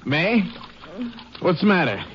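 A man's voice: high voice, very animated, slow, heavily acted. A man playing a sick, anxious rancher and father in a 1950s radio drama, unsteady and plain-spoken. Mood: groggy, uneasy. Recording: muffled, hissy old radio recording.

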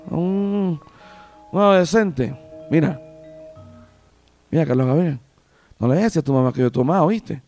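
A man with a Venezuelan accent hosting a comic podcast, rambling crudely and bickering with his own alter egos. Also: high-pitched. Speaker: podcast host. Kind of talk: comic monologue. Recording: loud music and canned applause behind.

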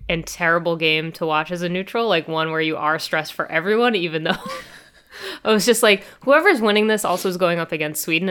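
A woman's voice: low voice, a bit bright, smooth. A woman hosting a casual sports podcast, chatty and thinking aloud with fillers as she recaps matches. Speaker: soccer podcast host.

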